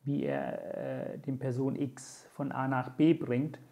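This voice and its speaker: Gravelly man, Tamil native, recounting slowly. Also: medium pitch, little pitch movement, dark tone. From Sri Lanka. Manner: many hesitation fillers, earnest and reflective. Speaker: interview guest. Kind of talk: conversational storytelling.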